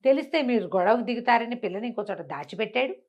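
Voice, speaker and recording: A woman with a Telugu accent telling a folk tale in an animated, conversational way, posing questions and answering them herself as a storyteller. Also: fairly high pitch, quick pace, lo-fi sound.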